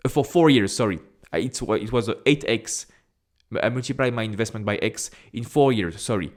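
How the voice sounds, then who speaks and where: A man with a strong French accent talks straight to camera in a casual, direct way. His voice sits in a middle pitch for a man. He repeats phrases and fills pauses with a quick "uh". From France. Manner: chatty and direct, repeats phrases, frequent "uh" fillers. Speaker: investing YouTuber.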